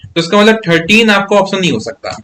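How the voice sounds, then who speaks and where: A man's voice: sits high, very animated, fast, pushed and bright. A man teaching a live online maths class, coaxing his students along and often checking if they follow. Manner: chatty, coaxing, keeps asking students "yes or no?".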